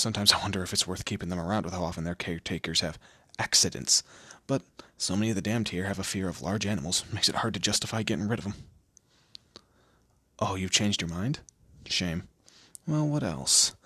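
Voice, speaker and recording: A man's voice: sits low, brisk, bright, forceful tone, breathy edge, no room sound, full character voice. A man voicing a smug, teasing demon lord in a scripted audio roleplay, with a theatrical, condescending manner and amused asides. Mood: wry, matter-of-fact. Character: smug, teasing male demon lord, proud torturer and bureaucrat.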